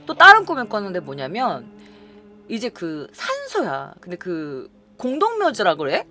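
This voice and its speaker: Lively chatty woman telling her dreams. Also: mid-range voice, a little slow, soft background music. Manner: chatty, lively, acts out quoted lines. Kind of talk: casual storytelling to viewers.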